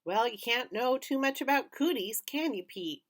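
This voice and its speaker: A woman's voice: fairly high pitch, lively intonation, normal speed, voice pushed up. A woman reading aloud, voicing a friendly white-haired grandfather in a jovial manner.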